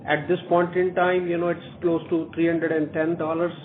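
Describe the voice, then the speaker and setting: A man with an Indian accent speaking haltingly as a company executive on a corporate earnings call over a phone line. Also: a little high, flat delivery. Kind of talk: corporate conference call briefing. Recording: tinny phone line with faint noise.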